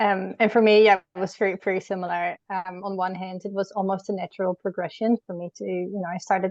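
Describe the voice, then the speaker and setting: A woman with a Dutch accent and monotone, flat intonation. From Netherlands. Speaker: strategy consultant, climate tech writer. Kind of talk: podcast interview.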